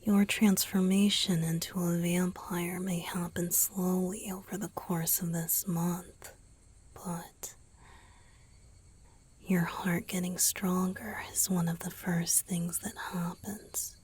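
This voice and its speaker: A woman voicing a tender romantic young male vampire boyfriend in a gentle, breathy whisper for an ASMR roleplay. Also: on the low side, little pitch movement, exaggerated voice. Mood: gentle, caring. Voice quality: breathy, airy. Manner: slow, gentle, intimate.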